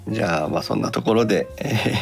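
A man with a low, gravelly voice hosts a casual gadget podcast with music underneath. His intonation moves around a lot as he chats and thinks aloud, turning courteous for the listeners. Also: fast. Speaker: podcast host.

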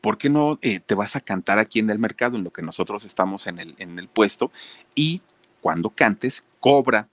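A man voicing a kind older sister who gently coaxes her little brother. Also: lowish voice, lively intonation, moderate pace, dry recording. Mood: coaxing. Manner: coaxing, gently persuasive. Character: kind older sister, young woman, reasonable.

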